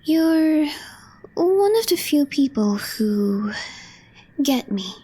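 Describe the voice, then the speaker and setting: A woman playing a calm, deadpan young female coworker with a crush in an ASMR roleplay, speaking softly and breathily in measured, short phrases. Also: high-pitched, exaggerated voice, rough recording. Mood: quietly fond. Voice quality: soft, breathy, half-whispered. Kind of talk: intimate ASMR roleplay, scripted.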